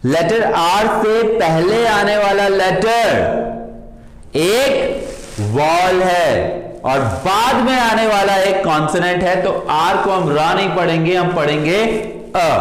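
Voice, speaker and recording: A man with an Indian accent, teaching pronunciation rules in a lesson and drilling words by repeating them and asking the listener to repeat. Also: sits high. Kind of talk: classroom-style lesson explaining rules. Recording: echoey room.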